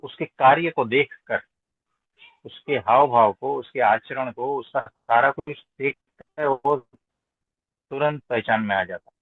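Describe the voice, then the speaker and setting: A man's voice: mid-range voice, slow. Man giving spiritual teaching, thin echoey sound. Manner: didactic, emphatic repetition, rhetorical questions. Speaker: spiritual teacher answering seekers' questions. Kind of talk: informal spiritual discourse, question and answer. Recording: roomy echo, thin phone-like sound.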